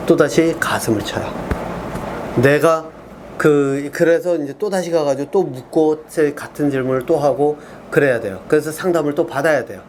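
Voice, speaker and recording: A man's voice: a little high, a little hiss or hum. A man giving an explanatory lecture on Buddhist ideas, posing rhetorical questions and answering them himself. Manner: acts out quoted people in everyday speech.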